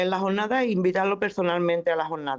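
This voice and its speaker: A woman speaks in a normal speaking voice at a medium pitch. Her pitch varies in an ordinary way against a quiet background. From Huelva, Andalusia. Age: 50s. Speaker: widow and former carer of an ALS patient. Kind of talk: radio interview.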